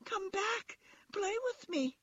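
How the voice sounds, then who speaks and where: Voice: very high voice, animated, takes it slowly, a bit bright, dry recording, muffled recording, pitched above the performer's own voice, full character voice. A narrator voicing a small, young toy rabbit in a storybook, timid, defensive and wistful, with a plaintive, insistent way of talking. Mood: pleading.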